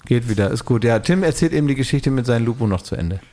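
A man's voice: medium pitch, lively intonation, quick pace, mellow. Male podcast co-host, easygoing, needling, moderator of the chat. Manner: teasing, prompting the story along. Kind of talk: casual chat.

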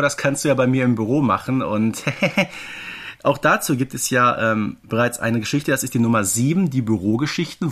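A man's voice: medium pitch, fairly bright tone. A man with a German accent co-hosting a fan podcast, explaining things conversationally and checking for agreement. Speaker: podcast co-host.

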